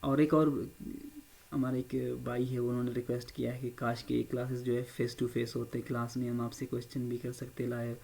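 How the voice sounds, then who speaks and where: Gravelly-voiced man teaching an online class. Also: medium pitch, little pitch movement, a little mellow. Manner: explains slowly with many fillers and repeats. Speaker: English teacher. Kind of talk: online lecture.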